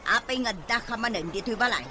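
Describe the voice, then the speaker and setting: A woman's voice: fairly high pitch, fairly quick, sharp tone, a little hiss or hum. An actress with an Ilocano accent playing an irresponsible, defiant mother in an audio drama. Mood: defiant, annoyed. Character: irresponsible, defiant mother fond of drink and gambling. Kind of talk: Ilocano radio-style drama acting.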